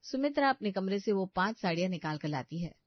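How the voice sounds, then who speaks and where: A woman's voice: mid-range voice, expressive, fast, no room sound. Woman narrating a family story. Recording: dry, dull lo-fi sound.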